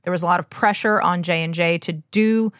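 Low-voiced woman explaining things conversationally. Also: fairly even intonation, fairly quick, no echo, clean studio sound. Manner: earnest, informal, emphatic asides. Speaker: podcast host and doctor.

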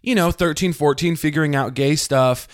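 Male comic guest, fairly high voice, chatty and emphatic casual banter over a phone call. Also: normal speed. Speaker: comedian and podcast guest. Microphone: video call on a phone.

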